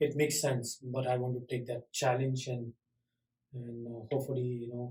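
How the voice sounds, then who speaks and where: A man's medium-pitched, somewhat breathy voice, dark and mellow in tone, monotone and flat in intonation, at a moderate pace. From immigrant to the US. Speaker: small business owner. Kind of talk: interview. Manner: halting.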